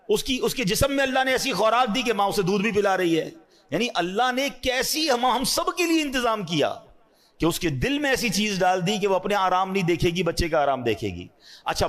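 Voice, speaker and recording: A man's voice: high voice, fairly bright tone. A man with a Pakistani accent preaching a sermon, asking the audience questions and rising to emotional peaks.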